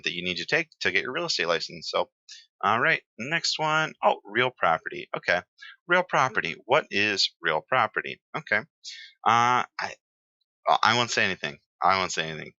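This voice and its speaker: Low-voiced chatty male exam tutor. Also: dry recording, highs cut off. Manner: relaxed, chatty, many fillers. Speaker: exam prep teacher. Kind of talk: casual lecture with pauses.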